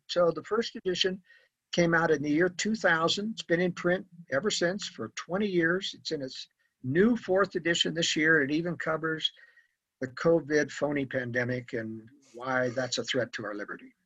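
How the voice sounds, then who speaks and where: A man's voice: a little high, normal speed, a bit bright, no room sound. An older man, an author, giving earnest, rambling interview answers full of fillers. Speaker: author and guest. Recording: dull lo-fi audio.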